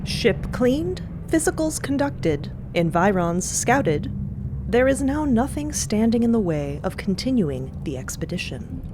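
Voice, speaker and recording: A woman's voice: a little high, sing-song, unhurried, background noise. A woman delivering scripted narration for an audio drama podcast.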